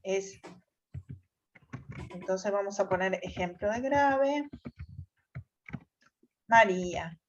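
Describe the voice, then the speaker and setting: Slow-speaking woman teacher. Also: medium pitch, animated, dull audio, a little hiss or hum. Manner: checks understanding with frequent "¿tá?". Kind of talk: classroom lesson on Spanish accent rules.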